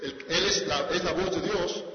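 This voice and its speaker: A man's voice: high voice, steady tone, normal speed, background noise. A man preaching a sermon as pastor, asking his congregation rhetorical questions and often restarting phrases. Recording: echoey hall, dull lo-fi sound.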